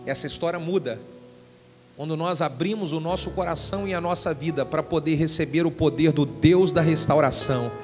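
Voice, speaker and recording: A man, a pastor with a Brazilian Portuguese accent, preaching a fervent sermon that swells into shouts. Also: fairly high pitch, fairly quick, faint music behind. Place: large church hall. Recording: church hall with long reverb.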